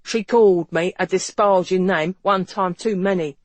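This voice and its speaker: Storybook constable, played by a woman: male, gruff, huffy, snapping, grudging, dry sound. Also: lowish voice, fairly even intonation, moderate pace, dry recording, lightly acted. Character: red-faced, gruff, huffy male Irish police constable.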